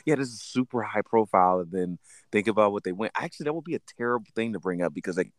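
A man chatting casually on a podcast in an excitable, slangy, swearing frat-bro manner. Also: on the low side, quick pace, dry recording, studio quality. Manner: excitable, animated.

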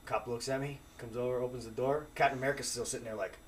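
A man telling a wild story as a podcast guest, animated and profane, acting out what people said. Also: mid-range voice, fast talker, a little hiss or hum. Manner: animated, profane, acts out quotes. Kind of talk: casual storytelling.

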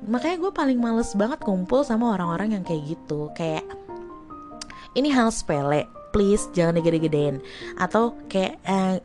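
A young woman with a Jakarta accent hosting a casual solo podcast, ranting in a chatty, slangy, exasperated way. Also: fairly low pitch. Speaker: podcast host.

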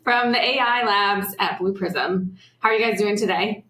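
A woman's voice: medium pitch, normal speed, pushed and bright. A woman hosting an interview, upbeat and friendly, who laughs easily. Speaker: host. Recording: echoey room with faint noise.

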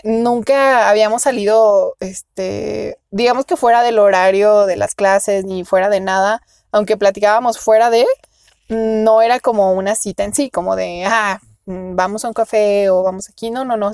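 A woman's voice: mid-range voice, moderate pace, a little mellow, clean tone, no room sound, clean studio sound. A young woman with a Mexican accent tells a dating story in casual chat, laughing often and squealing when she quotes herself. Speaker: podcast co-host.

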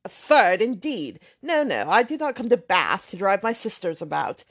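A woman voicing a boastful, blustering young man, loud and emphatic. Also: mid-range voice, sing-song, normal speed.

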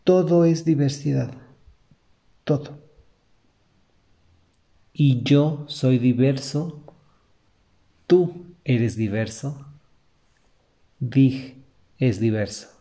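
A Mexican man hosts a podcast in an earnest, motivational monologue, addressing the listener directly. His voice is very dark and mellow, and he takes his time with each phrase. His pitch sits in the middle range for a man. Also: drawn-out words, long pauses. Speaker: podcast host.

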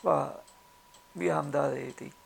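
A speaker from Austria with an Austrian accent, recalling things casually in a halting way with repeated words. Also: medium pitch, steady tone, creaky, slightly rough. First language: German. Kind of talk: casual spoken recollection.

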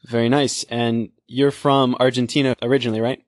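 A man's voice: medium pitch, little pitch movement, fairly quick, dry recording, studio quality. A man hosting an interview podcast, reading a scripted intro and asking questions in an upbeat way with short reactions. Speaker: podcast host.

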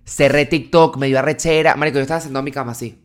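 A man's voice: medium pitch, racing. Young Venezuelan man ranting casually. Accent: Venezuelan Spanish. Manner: expressive, ranting with slang. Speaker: podcast host. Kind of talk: casual chat.

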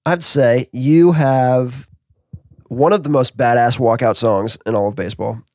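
Male podcast host, mid-pitched, gravelly, dry studio sound, easygoing questions. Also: fairly even intonation, moderate pace, darkish tone, dry recording. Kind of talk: casual interview.

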